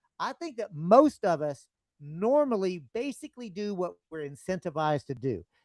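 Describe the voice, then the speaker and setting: In a Texan accent, a high-pitched man speaks at a moderate pace in an animated tone with very wide pitch swings, the sound dry and close with no echo. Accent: Texan Southern US. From rural Texas, Gulf Coast. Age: 60s. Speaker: podcast host. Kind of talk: casual interview chat.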